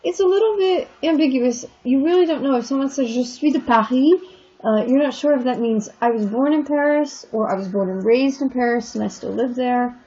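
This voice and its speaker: In this recorded lecture, a woman teaches an online French lesson, patiently going through textbook exercises and repeating examples. Her voice is high, brisk and husky with a dark tone, and the audio sounds dull.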